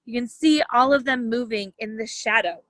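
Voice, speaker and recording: A woman's voice: fairly high pitch, moderate pace, fairly bright tone, no room sound. A woman science educator presenting a lesson for young children, explaining things in simple terms as she reads and demonstrates.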